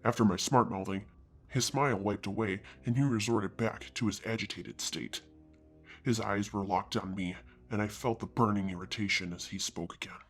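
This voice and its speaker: A man reading a first-person fantasy story aloud, with an earnest husky delivery that climbs into anger on the hero's lines. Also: on the low side, fairly even intonation, moderate pace, faint music behind. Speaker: story reader.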